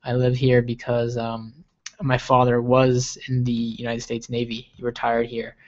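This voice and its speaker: A man's voice: medium pitch, completely flat delivery, measured pace. A young man hosting a live tech stream, answering viewer questions in an eager, rambling way and often repeating words. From Okinawa, Japan. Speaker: livestream host. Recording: lo-fi livestream audio.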